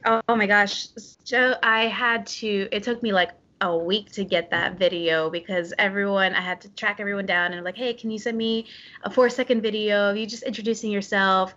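A woman's voice: medium pitch, fairly even intonation, moderate pace, bright, forceful tone, muffled recording. A woman being interviewed as a guest, chatty and bubbly, saying "like" a lot. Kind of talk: casual interview chat.

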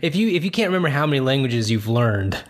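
Male podcast host, relaxed and friendly, light laughs, short reactions. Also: mid-range voice, fast talker. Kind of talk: conversational podcast interview.

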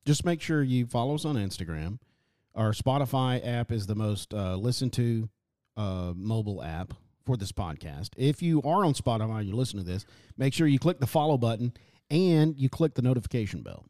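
A man's voice: mid-range voice, expressive, normal speed, dark tone, no room sound, clean studio sound. Rambling, joking male podcast host. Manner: rambling, joking, self-deprecating. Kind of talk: casual podcast chat.

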